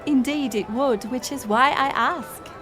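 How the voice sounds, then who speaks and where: A woman performs a playful, inquisitive village woman in a period audio roleplay. Her voice sits fairly high and lingers slowly over formal, old-fashioned phrases with a teasing edge. Music plays clearly behind her. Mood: playful, bargaining. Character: curious, playful, wry village woman at a masked festival. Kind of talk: intimate archaic-speech audio roleplay.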